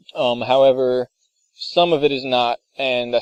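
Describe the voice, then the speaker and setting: A man's voice at medium pitch. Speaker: conspiracy theory talker. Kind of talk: monologue. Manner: fast.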